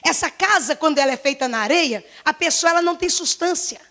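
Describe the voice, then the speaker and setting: This fervent preacher is a woman in her forties with a Brazilian Portuguese accent, talking fast in a high-pitched, pushed, bright voice with a slight hoarseness. At the church service she repeats herself a lot and piles on rhetorical questions with real passion.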